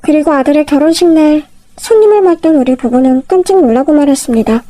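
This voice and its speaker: A woman narrating a story in a measured, steady way. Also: high-pitched, no echo, rough recording.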